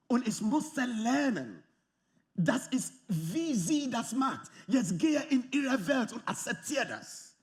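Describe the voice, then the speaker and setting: A man preaching a sermon in lively, slightly non-native German with English phrases mixed in. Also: high voice. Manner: animated, lively, often acts out quoted arguments. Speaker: pastor.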